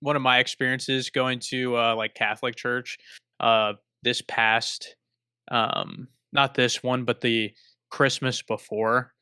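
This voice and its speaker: A man's voice: mid-range voice, little pitch movement, slow pace, sharp tone, smooth, dry recording, studio quality. A young man co-hosting a casual podcast chat over a remote call, self-deprecating and restarting his sentences often. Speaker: podcast co-host.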